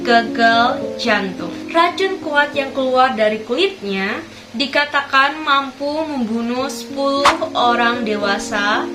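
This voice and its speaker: A woman with a hoarse voice from a cold hosts a chatty educational video, asking her viewers questions as she narrates facts. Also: sits high. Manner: chatty, asks viewers questions, mixes in English phrases. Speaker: educational YouTube host. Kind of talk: scripted encyclopedia narration. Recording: echoey room with loud background music.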